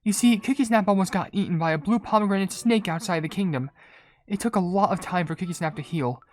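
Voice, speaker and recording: A woman voicing a gentle, courteous young female incense maker in a game, polite and measured. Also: on the low side, slight background noise, close to an everyday voice. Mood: friendly. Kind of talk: reading game dialogue aloud in character. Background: game music.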